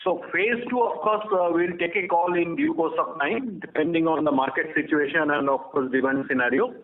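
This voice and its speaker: Cautious executive, higher-pitched, on phone line. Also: male voice, brisk. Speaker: company executive answering analysts. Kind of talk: earnings call answers. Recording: narrow phone conference line.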